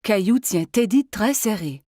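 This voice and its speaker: A woman narrating a children's cartoon in an expressive, scripted storytelling style. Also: medium pitch, unhurried, background noise. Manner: expressive storytelling that voices the characters' lines.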